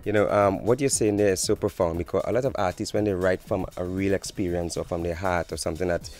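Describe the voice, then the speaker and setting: A man interviewing a singer, asking questions in a smooth, measured, complimentary way. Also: deep voice, steady tone, darkish tone, faint music behind.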